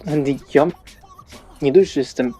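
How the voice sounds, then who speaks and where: Mężczyzna grający poirytowanego, podejrzliwego wampira. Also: male voice, on the high side, a little slow, dark tone, soft background music, natural voice. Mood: suspicious, tense. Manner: exasperated, insistent questioning. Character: agitated, suspicious, hungry male vampire driver. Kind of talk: improvised tabletop roleplay acting.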